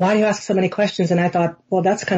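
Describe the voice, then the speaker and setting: The voice belongs to a woman. It comes across somewhat breathy. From Poland. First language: not English. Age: 40s. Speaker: psychic medium and radio host. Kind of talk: radio show monologue. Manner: some hesitation with fillers.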